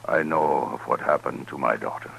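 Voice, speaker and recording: A man's voice: rumbling low, fairly even intonation, vocal fry, a bit bright, slightly rough, full character voice, rough recording. An actor playing a proud, grieving Native American chief and father, speaking solemnly and formally in 1950s radio western style. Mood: solemn grief. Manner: solemn, formal, deliberate phrasing. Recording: 1950s radio recording with faint noise.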